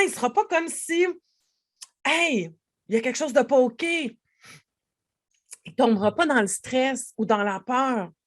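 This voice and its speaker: A woman with a Québécois French accent, a life coach giving a podcast monologue and speaking straight to the listener. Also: mid-range voice. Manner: animated, speaks directly to the listener.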